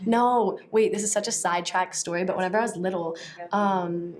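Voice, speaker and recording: A young woman, an actress in a casual press interview, talking in an animated, rambling way. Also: on the low side, fairly quick. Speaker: actress guest.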